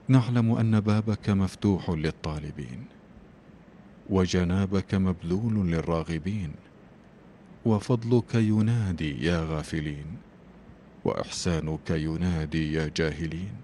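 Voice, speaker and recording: Deep low guy hosting a prayer broadcast, dark mellow tone, solemn rhythmic supplication. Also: slight background noise. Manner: measured, rhythmic prayer cadence. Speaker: broadcast presenter.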